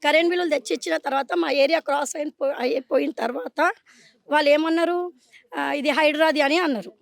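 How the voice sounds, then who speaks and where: Fast, angry Telangana woman, gravelly. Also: high voice, no room sound. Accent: Telangana Telugu. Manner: angry, rapid, demanding questions. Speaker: resident facing eviction. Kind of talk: street interview.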